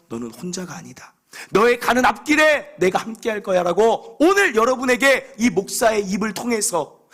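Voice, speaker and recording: A male pastor preaching a sermon in a church, telling scripture stories with animated, acted-out dialogue. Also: sits high.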